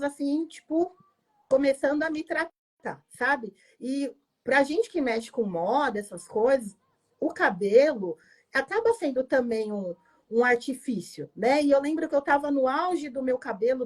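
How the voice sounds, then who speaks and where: A woman pastor tells her personal testimony in an emotional, emphatic way, often adding "né?". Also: high-pitched. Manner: emotional, emphatic storytelling with frequent "né?".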